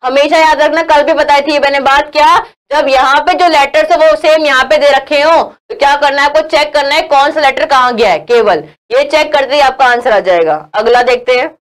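High-voiced woman teaching emphatically. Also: brisk, hardly any pauses, poor audio. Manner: emphatic, repeats key phrases, quizzes listeners. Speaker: online exam-prep teacher. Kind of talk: recorded online class.

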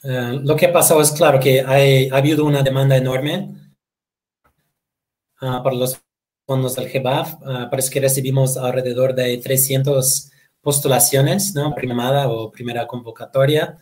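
A man in his thirties, a native Portuguese speaker, fields questions on a video call at a medium pitch. He talks haltingly, repeating words and tacking short tag questions onto his phrases. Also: fairly even intonation, a little mellow. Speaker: guest presenter. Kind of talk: webinar Q&A answers. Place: home room, indoors.

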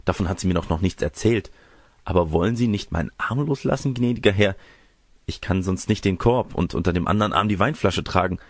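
A man's voice: low-pitched, brisk, dry recording, voice pushed up. A man voicing a modest, polite teenage country girl who protests deferentially in a storybook reading. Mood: wary. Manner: demure, deferential.

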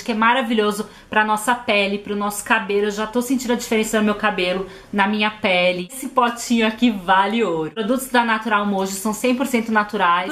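Fast-talking chatty young woman vlogger. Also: mid-range voice, a bit bright. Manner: chatty, dramatic storytelling. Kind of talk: casual vlog storytelling and sponsor plug.

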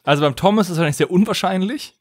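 A man's voice: sits high, very fast. A man co-hosting a podcast, discussing casually in an analytical, questioning way. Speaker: podcast host.

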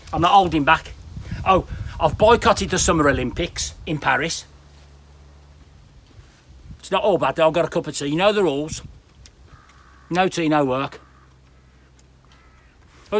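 A man's voice: a little high, a bit bright, a little hiss or hum. A man from the UK chatting bluntly and rambling to a handheld camera outdoors in his garden. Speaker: smallholder vlogger. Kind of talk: casual chat to camera.

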